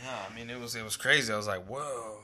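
Bright-voiced man, relaxed and hesitant. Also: mid-range voice, very fast. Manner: relaxed, hesitant, many fillers and restarts. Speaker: Army captain guest. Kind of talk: casual podcast interview.

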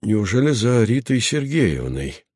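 A man's voice: lowish voice, very animated, unhurried, a little mellow, breathy edge, dry recording, heavily acted. A man reading the part of a patient, matter-of-fact base commander with a dry irony, in an audiobook.

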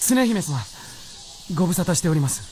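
A young white fox spirit in a radio drama. He is earnest and courteous, with a lively, wide-moving intonation. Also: sits high, brisk, slight background noise. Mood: modest, polite. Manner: polite, earnest speech. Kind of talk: Japanese radio drama acting.

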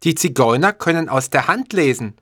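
A man's voice: fairly high pitch, expressive, normal speed, fairly bright tone. A man voicing a clever, defiant schoolboy in an audiobook story, blunt and cheeky. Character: clever defiant schoolboy, bold and sharp-tongued.

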